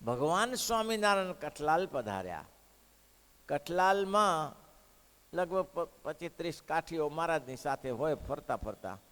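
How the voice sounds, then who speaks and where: A man preaching a devotional sermon, telling a story in an animated way and putting questions to the listeners. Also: a little high, unhurried. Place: hall of a religious school. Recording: echoey hall.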